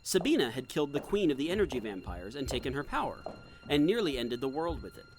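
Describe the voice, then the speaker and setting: Animated man narrating an audio drama. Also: medium pitch, quick pace, over music.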